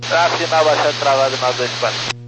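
Brazilian pilot guy on air traffic radio, mid pitched, really loud static, reading back clearances. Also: steady tone, fairly quick. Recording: very noisy cockpit radio transmission.

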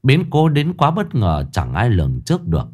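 A man's voice: medium pitch, wildly swooping pitch, moderate pace, a little mellow, slightly rough. Solemn male ghost-story narrator. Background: faint music.

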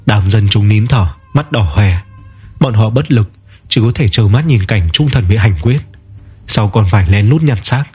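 Male narrator, low, husky, measured storytelling. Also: lively intonation, dark tone, soft background music.

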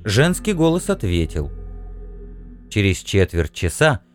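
A man narrating a story in an expressive audiobook reading. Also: lowish voice, measured pace, faint music behind.

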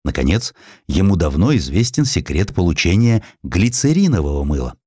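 A man's voice: low voice, big pitch swings, moderate pace, a little mellow, breathy edge, dry recording, clean studio sound. A man narrating a historical essay as an audiobook, reading expressively and giving the characters voices in their quoted lines.

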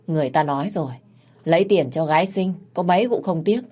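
Low-voiced woman telling a story. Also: quick pace, warm tone. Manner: vivid, colloquial, mocking storyteller. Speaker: narrator. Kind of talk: storytelling narration.

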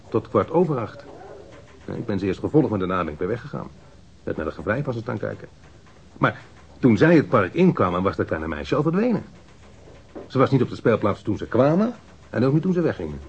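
A man's voice: medium pitch, a little mellow. An actor playing an evasive street mugger in a radio drama, defensive and rambling as he answers police questions in slangy, hesitant speech. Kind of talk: naturalistic radio drama acting. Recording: dull lo-fi radio recording.

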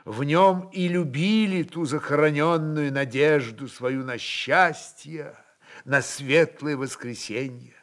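A man narrating a literary work in a dramatic, expressive style, with emphatic phrasing and weighty pauses. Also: fairly high pitch.

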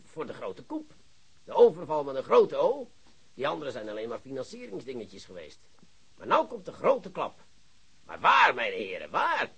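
An actor playing an excitable, boastful police chief who lectures his colleagues in a radio play. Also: a little high, normal speed, vocal fry, husky, heavily acted, low-quality recording. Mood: excited, lecturing. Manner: animated, theatrical, lecturing colleagues. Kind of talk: Dutch radio drama acting.

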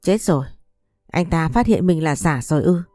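A woman narrating a first-person audiobook story with a smooth, even storytelling delivery. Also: low voice, moderate pace, no echo, studio quality, soft background music.

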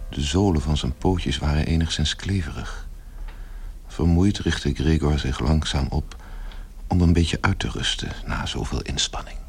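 A man's voice: rumbling low, measured pace. A man giving scripted literary narration as the narrator of a radio play. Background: music.

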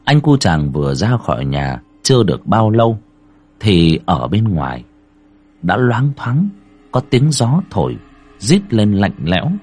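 A man with a husky voice narrating a horror story in an expressive, rising and falling way. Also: fairly low pitch, measured pace. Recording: soft music underneath.

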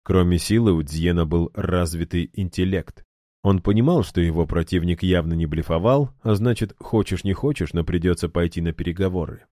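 A man narrating a fantasy novel in an even, measured way. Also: low voice, no echo, clean studio sound. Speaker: audiobook narrator.

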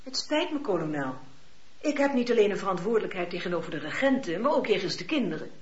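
An actress playing a demure, formal old spinster who runs an orphanage in a radio drama, deferential and hesitant. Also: female voice, medium pitch, big pitch swings, fast talker, lightly acted. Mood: reluctant. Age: older. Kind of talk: Dutch radio drama acting. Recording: dull noisy radio drama recording.

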